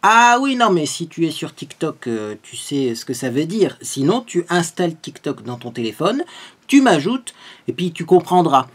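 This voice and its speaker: A man hosting a makeup tutorial in a casual, chatty way, animated and full of little fillers. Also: a little high, moderate pace, breathy edge. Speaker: beauty video host.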